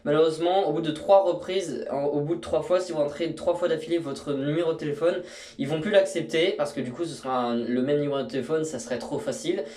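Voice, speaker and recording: A man's voice: a little high, steady tone, fast, mellow. Rambling young man, echoey room. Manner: rambling, many fillers and restarts. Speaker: YouTuber. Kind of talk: casual screen tutorial. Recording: echoey room, mic at a distance.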